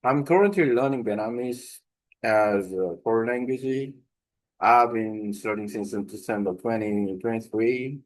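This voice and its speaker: A man with a Korean accent, a native Korean speaker, reading a prepared text aloud slowly and deliberately, pausing and correcting himself as he shares his language-learning method. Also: lowish voice, low-quality recording. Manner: slow, deliberate reading with pauses and self-corrections.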